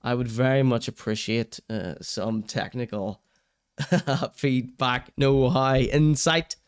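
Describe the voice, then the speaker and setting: Slow and smooth, his mid-range voice keeps a fairly even intonation as this young Northern Irish man hosts a live stream. He reads chat comments and answers them with blunt, wry views, swearing casually and laughing at his own jokes.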